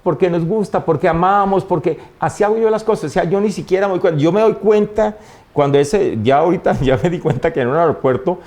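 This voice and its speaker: A man, a priest and invited guest, telling personal stories in an animated, conversational way, often laughing and acting out his mother's words. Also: sits high, a little fast. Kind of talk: conversational storytelling.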